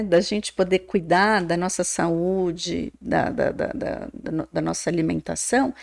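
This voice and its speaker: A woman psychologist with a Brazilian Portuguese accent, explaining ideas in an animated podcast chat, often tagging her sentences with a questioning "né?". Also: medium pitch, gravelly. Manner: animated, acts out quoted voices, many "né?" tags. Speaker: psychologist guest.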